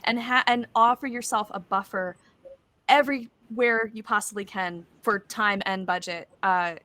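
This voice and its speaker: A woman with a very bright, forward voice at medium pitch gives advice on a panel. Her delivery is casual, practical and emphatic. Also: steady tone, a little slow, no room sound. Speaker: panelist, voice actor and writer.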